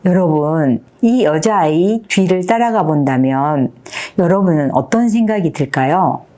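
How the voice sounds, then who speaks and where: A woman in her fifties, a teacher, gives a picture-book talk to an audience, telling the story with animation and repeatedly asking her listeners questions. Her voice is low and unhurried.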